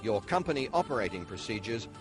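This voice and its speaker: A man reading scripted instructional narration in a formal, measured manner, as in a training video. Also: fairly low pitch, sing-song, music in the background.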